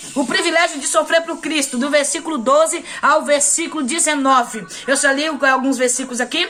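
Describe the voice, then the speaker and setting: Loud and high-pitched, a woman talks with hardly any pauses and fairly even intonation over noticeable background noise. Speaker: missionary preacher. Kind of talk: sermon. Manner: fast.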